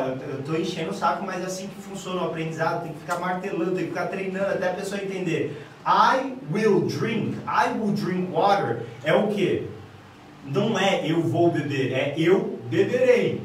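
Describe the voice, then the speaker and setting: A high-voiced Brazilian man teaches with punchy emphasis, drawing out each example phrase. He sounds set back from the mic in a very echoey room, with faint ambience behind him. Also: distant mic, slight background noise. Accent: Brazilian Portuguese. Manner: emphatic, repeats "guys", drills examples slowly. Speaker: English teacher. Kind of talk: energetic video lesson.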